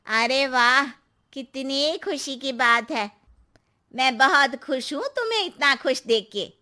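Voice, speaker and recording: A woman's voice: high voice, animated, slow, pushed and bright, exaggerated voice. A woman voicing a superstitious older neighbor aunty who gives knowing warnings in a storybook cartoon. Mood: cautioning.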